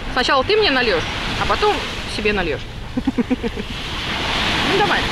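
Over loud background noise, the speech moves at a very slow pace with long, frequent pauses and a dry sound lacking any echo. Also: woman. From Russia, Nizhny Novgorod. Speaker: vlogger. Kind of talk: casual vlog chat. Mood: playful, affectionate. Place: beach. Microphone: phone near.

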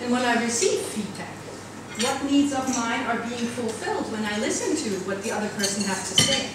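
A woman speaks at a moderate pace through loud background noise and audible room echo. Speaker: executive coach. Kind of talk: public speech. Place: hall. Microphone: camera far.

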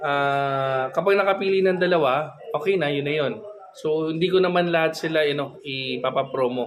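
Over noticeable background noise, a man talks at a moderate pace and fairly high pitch with ordinary pitch variation. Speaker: dog breeder. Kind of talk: sales pitch. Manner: halting.

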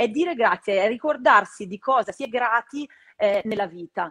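Against a quiet background, a woman with fairly high pitch speaks at a fairly quick pace. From Busto Arsizio, Italy; Italy. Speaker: guest, Italian living in Houston; guest. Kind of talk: interview. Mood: warm, smiling. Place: home room. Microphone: video call.

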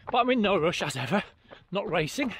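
A high-pitched man speaks at a moderate pace, the sound dry with no echo, over light background noise. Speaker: trail runner vlogger. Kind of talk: casual vlog chat. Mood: relaxed, cheerful. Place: open country. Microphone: phone near.

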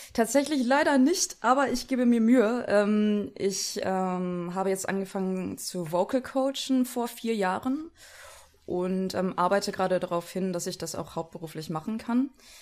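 A woman speaks in a normal speaking voice at a medium pitch and a fairly slow pace, with lively intonation. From northern Germany. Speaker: singer and vocal coach. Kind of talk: interview.

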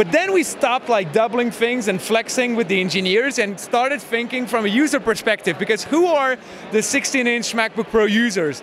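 Over noticeable background noise, a man with extremely high pitch speaks at a moderate pace, the sound dry with no echo. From Belgium. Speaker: tech startup co-founder. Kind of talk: trade show product demo interview. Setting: trade show booth. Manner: animated. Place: hall. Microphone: handheld.

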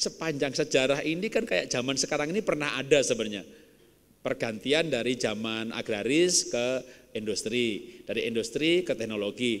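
The man's voice sits at a medium pitch. He talks at a fairly quick pace with lively intonation. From Central Java, Solo; Central Java. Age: 50s. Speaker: pastor and business speaker; pastor, speaker. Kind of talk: sermon. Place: hall. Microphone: handheld.

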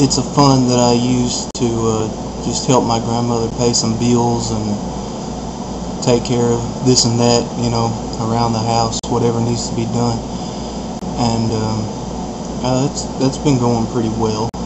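Loud background noise fills the clip. A man speaks at a fairly slow pace. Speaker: vlogger. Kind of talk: casual vlog chat. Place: home room. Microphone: webcam.

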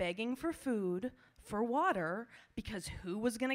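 A woman speaks at a fairly slow pace. Her tone is bright and sharp over a quiet background. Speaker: presenter. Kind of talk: storytelling talk to an audience.

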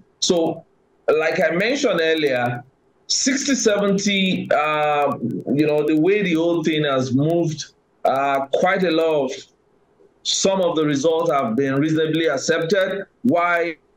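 Speaking at a very slow pace, a man keeps his loudness very even with ordinary pitch variation, and audible room echo surrounds him. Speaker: guest. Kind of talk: interview answer. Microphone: phone line.

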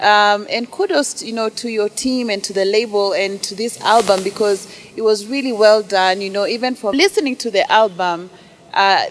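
A woman with a warm tone and fairly high pitch speaks at a moderate pace with ordinary pitch variation. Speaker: entertainment interviewer. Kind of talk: casual interview chat. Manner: warm, effusive. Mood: warm, enthusiastic. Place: cafe. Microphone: handheld.

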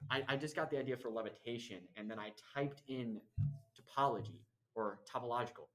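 The speaker talks at a very fast pace with ordinary pitch variation. Music plays in the background. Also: man. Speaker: student podcast co-host. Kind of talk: casual chat. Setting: livestream.

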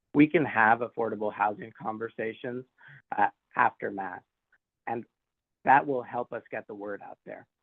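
A man with a Spanish accent speaks at a moderate pace with ordinary pitch variation. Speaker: city council candidate. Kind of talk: candidate forum answer.

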